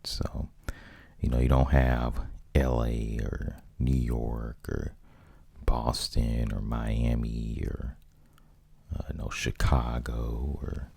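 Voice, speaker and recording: Male ASMR host, American, soft-spoken casual monologue, dark mellow tone, very dry close recording. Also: very deep voice, vocal fry, husky, no room sound. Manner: rambling, conversational.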